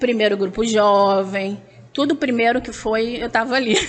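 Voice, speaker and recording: This woman talks at a fairly slow pace. Her pitch is fairly high, with ordinary variation. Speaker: teacher speaking at spiritist centre anniversary. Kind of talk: personal testimony speech. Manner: animated.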